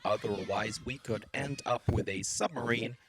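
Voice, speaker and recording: A man voicing a dry-witted male robot sidekick who speaks in a calm, matter-of-fact way. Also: medium pitch, moderate pace, vocal fry, noisy background, lightly acted. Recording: music playing behind.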